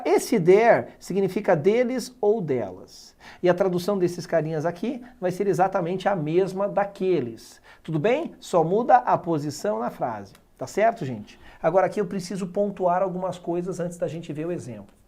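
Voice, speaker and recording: A man with a Brazilian Portuguese accent teaching English grammar in an exam-prep video lesson, animated and emphatic, checking in with students every few words. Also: high voice, moderate pace.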